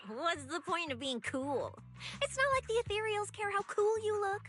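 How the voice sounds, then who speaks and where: Tale-telling companion; dramatic, very high, lively. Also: female voice, moderate pace, faint music behind, full character voice. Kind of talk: video game voice acting.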